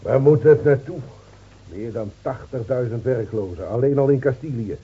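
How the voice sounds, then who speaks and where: A man's voice: medium pitch, moderate pace, breathy edge. An actor playing a bitter, sardonic village man in a Dutch radio drama, grumbling with weighty sarcasm. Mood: weary, indignant. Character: bitter, sardonic village man at a rural Spanish police post. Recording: muffled, noisy old radio recording.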